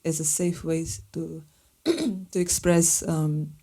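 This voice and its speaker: Mellow low woman. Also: fairly even intonation, takes it slowly. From Slovenia. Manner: thoughtful, searching for words. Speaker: filmmaker and artist guest. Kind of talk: live panel conversation.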